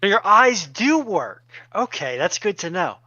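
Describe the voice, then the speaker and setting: A man's voice: sits high, very animated, a little slow, heavy background noise. A man chatting casually as a livestream panellist, heard over slightly lo-fi voice-chat audio. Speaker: livestream panellist and tech helper.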